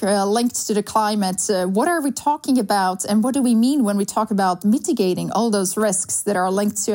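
A woman in her thirties from Slovakia with a Slovak accent, answering interview questions in an earnest, measured way with frequent fillers. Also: fairly high pitch, darkish tone. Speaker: guest, sustainability consultancy founder.

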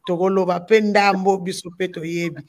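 A Congolese gospel singer with a Congolese French accent speaks with fervor on a talk show, often repeating words for stress. The woman's voice is low and darkish, steady in tone, at a moderate pace.

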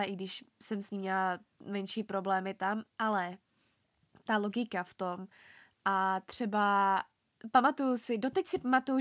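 A woman's voice: medium pitch, no echo, studio quality. A young woman co-hosting a podcast in casual chat, agreeing eagerly and using lots of fillers. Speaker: podcast co-host.

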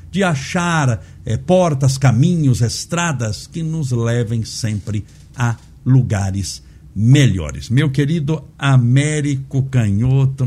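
A man's voice: mid-range voice, mellow, slightly rough. A man with a Brazilian accent hosting a podcast in a conversational interview style. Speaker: podcast host.

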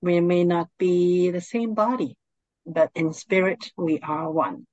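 A woman guides a meditation at a very slow, unhurried pace. Her voice is fairly low and soothing, with calm, gentle instructions. The recording is dry and slightly dull. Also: no room sound.

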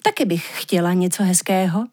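A woman voicing a vain, scatterbrained young woman who talks eagerly in a higher, fussy voice. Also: darkish tone, lightly acted.

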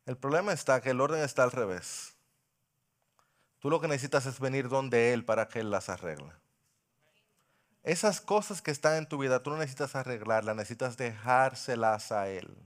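A male pastor preaching a sermon into a microphone, impassioned, swinging from loud cries to hushed pleading. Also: medium pitch, animated, normal speed.

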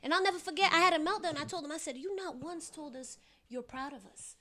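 Animated young woman telling stories. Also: high voice, fast. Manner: animated storytelling, quotes her dad. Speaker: podcast guest. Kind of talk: casual podcast chat.

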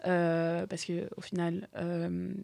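A woman's voice: on the low side, level tone, takes it slowly, vocal fry, a little mellow, no echo. Hesitant woman host from Cameroon, dry sound. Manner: hesitant, many fillers and restarts. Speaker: podcast host. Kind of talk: casual conversation.

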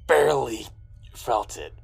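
An actor playing a defiant, weary private eye in a noir audio drama, wry and terse. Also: male voice, medium pitch, very animated, takes it slowly, gravelly, slightly rough, faint music behind, heavily acted. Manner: wry, terse, hard-boiled.

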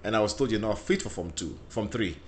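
A man's voice: fairly low pitch, expressive, fast talker, a little hiss or hum. A man in his thirties from Ghana, a cybersecurity guest in a casual podcast interview, telling stories playfully and laughing easily in an office.

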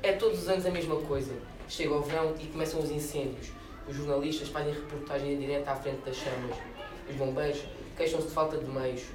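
A man reading a humorous prose excerpt aloud with a brisk, wry delivery. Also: on the high side, fairly even intonation. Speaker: reader at a reading event. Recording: echoey room, distant mic, noisy.

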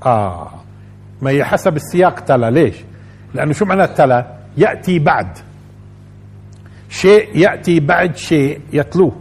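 Husky-voiced man teaching religion. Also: fairly high pitch, lively intonation, normal speed, pauses often, soft background music. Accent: Levantine Arabic. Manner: explains by repeating phrases and asking the audience questions. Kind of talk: Quran commentary lesson.

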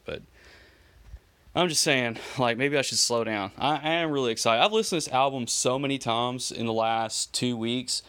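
An eager man with an average-pitched voice talks through an album in a loose, casual review. He rambles with plenty of fillers and slang. He sounds short of breath. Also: a bit bright, smooth. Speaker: music reviewer.

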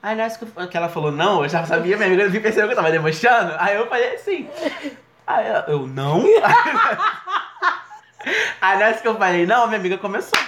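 A young man telling a funny story in casual podcast chat, animated, often laughing and acting out other people's voices. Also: sits high, very fast, heavy background noise. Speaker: podcast co-host. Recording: roomy echo.

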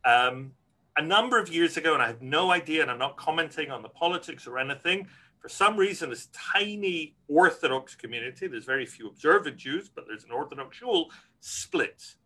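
Man, rabbi, middle-aged, slightly high voice, frank, earnest. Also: expressive, a little fast, bright, forceful tone. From Scotland. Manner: earnest, frank, many restarts. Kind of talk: interview answers.

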